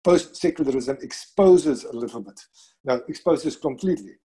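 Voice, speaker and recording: A middle-aged man with a non-native English accent, speaking thoughtfully in a conversation, with frequent restarts and pauses. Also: medium pitch, expressive, mellow, husky. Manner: thoughtful, halting, with many restarts. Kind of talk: conversational discussion.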